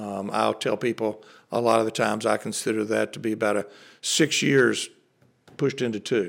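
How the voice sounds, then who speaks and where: A man with a Memphis accent talks at a moderate pace with a medium pitch and flat, monotone intonation on a very clean recording with a silent background. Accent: Southern US (Memphis). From Memphis, Tennessee. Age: 60s. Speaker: retired logistics company founder. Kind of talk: interview. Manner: halting.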